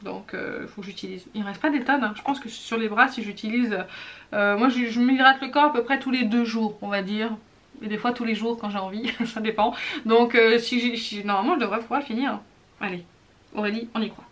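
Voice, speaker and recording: A woman's voice: a little high, a little fast, fairly bright tone. Chatty French-speaking woman vlogger. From France. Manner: chatty and self-teasing, many fillers and restarts. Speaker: beauty vlogger. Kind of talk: casual product review vlog.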